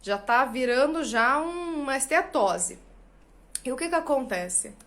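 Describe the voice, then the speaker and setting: A woman in her thirties with a Brazilian Portuguese accent, an astrologer talking casually and openly to her viewers, confiding and animated, often checking in with little tag questions. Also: high-pitched, unhurried. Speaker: astrologer and channel host. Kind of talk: casual personal talk to viewers.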